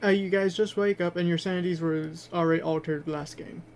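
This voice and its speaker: A man acting as game master in a tabletop game, improvising narration in a halting way as he searches for words. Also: high voice, fairly even intonation. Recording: faint background noise.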